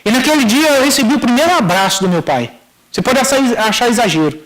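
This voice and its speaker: High-voiced Brazilian pastor telling a story. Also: male voice, animated, fast, a bit bright, low-quality recording. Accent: Brazilian Portuguese. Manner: storytelling, acts out dialogue, addresses listeners as brothers. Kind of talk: sermon testimony.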